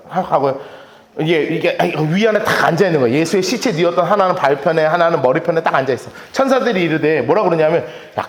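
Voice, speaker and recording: A man preaching a sermon as a pastor, telling the story in a lively way and acting out the quotes. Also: fairly high pitch. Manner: animated, lively storytelling with acted-out quotes and laughter. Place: church sanctuary. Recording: echoey church hall with long reverb.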